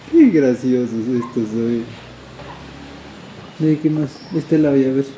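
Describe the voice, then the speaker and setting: Peruvian vlogger talking slow and fond to animals outside, muffled lo-fi audio. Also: mid-range voice, warm tone, slight background noise. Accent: Peruvian Spanish. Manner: coos and exclaims fondly at animals. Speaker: travel vlogger. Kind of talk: casual travel vlog commentary. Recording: dull lo-fi with faint outdoor ambience.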